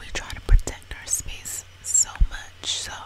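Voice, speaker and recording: Someone is whispering. Noticeable background noise is present. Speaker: ASMR creator. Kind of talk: ASMR whispered talk to camera. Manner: whispered.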